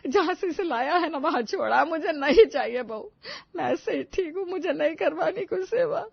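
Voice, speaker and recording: A woman voicing a dramatic, complaining elderly mother-in-law in an animated story, wailing and melodramatic. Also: sits high, normal speed, gravelly, no room sound, lo-fi sound.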